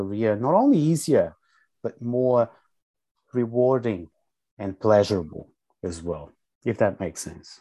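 A man with a Brazilian accent speaks at a fairly slow pace, medium pitch and lively intonation, his tone dark and mellow against a quiet background. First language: Portuguese. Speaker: social work academic and counselor. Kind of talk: casual interview conversation. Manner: halting, with repeated words.

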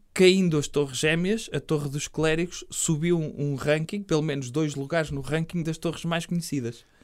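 A man's plain, everyday voice at a fairly high pitch, with fairly even intonation and a moderate pace, on a very clean recording with a silent background. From northern Portugal. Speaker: comedy podcast co-host. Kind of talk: comedic banter.

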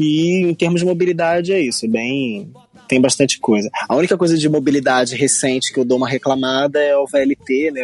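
Pitched fairly high, a man talks at a moderate pace with ordinary pitch variation. The sound is dry and close with no echo, and background noise is noticeable. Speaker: podcast guest. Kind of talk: casual chat.

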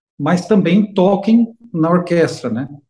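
This man's voice sits high in pitch. He talks at a very slow pace. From Brazil, Piracicaba (São Paulo state). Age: 40s. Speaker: orchestral violist. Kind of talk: casual interview chat.

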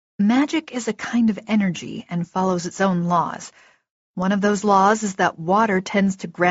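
Quiet surroundings behind plain reading aloud

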